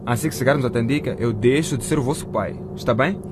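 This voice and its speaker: A male actor as a cautious, steady man in a radio play. He explains things patiently, in a mid-pitched voice, with car noise clearly behind him. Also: fast, lightly acted. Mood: serious, reassuring. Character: calm, cautious man driving two boys home. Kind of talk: radio drama acting.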